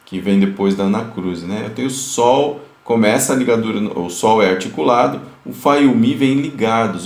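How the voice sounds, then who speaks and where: Man, music teacher, explanatory lesson, gravelly, roomy echo. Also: fairly low pitch. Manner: explanatory, many fillers, sings note examples.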